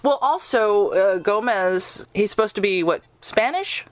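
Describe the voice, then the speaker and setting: A woman's voice: medium pitch, expressive, unhurried, no room sound. A woman podcast host chatting casually and reflectively, drifting into asides and bits of imagined quotes. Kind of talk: casual interview chat.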